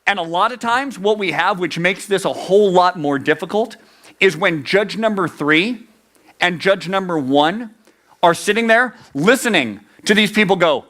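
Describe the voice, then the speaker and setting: A young man preaching a youth sermon, animated, acting out the inner voices of his listeners. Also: high-pitched, normal speed. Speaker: youth pastor.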